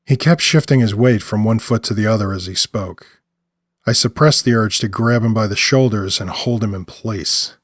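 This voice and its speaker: A man's voice: fairly low pitch, normal speed, dry recording, studio quality. A man narrating scripted first-person audio fiction. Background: music.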